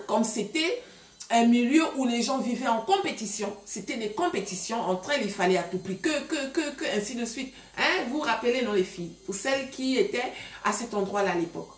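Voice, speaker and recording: A woman in her thirties from Gabon, casually telling a story to her viewers with lots of fillers. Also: on the high side. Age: 30s. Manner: chatty, many fillers, addresses viewers directly. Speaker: vlogger giving relationship advice. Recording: echoey room.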